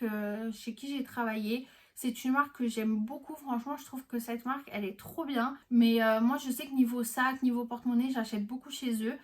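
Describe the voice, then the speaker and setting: A young woman vlogging casually, chatty and enthusiastic, with many fillers and restarts. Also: a little high. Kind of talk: casual gift-guide vlog.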